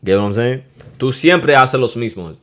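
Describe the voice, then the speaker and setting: A man's voice: mid-range voice, expressive, normal speed. A young man hosting a podcast, giving a loose, slangy Spanish lesson, swearing and dropping in Spanish phrases. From Dominican heritage. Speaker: podcast host.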